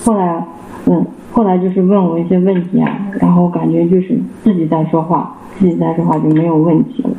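A man giving a personal church testimony, halting and repeating himself with many fillers. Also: a little high, flat delivery, narrow, tinny audio. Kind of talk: casual spoken personal testimony. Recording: roomy with faint background noise.

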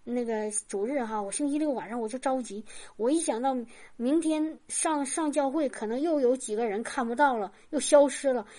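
A woman's voice: high-pitched, moderate pace, few pauses, mellow. A woman preacher giving a sermon testimony, talking in a rambling, repetitive way full of fillers and acting out the voices she quotes.

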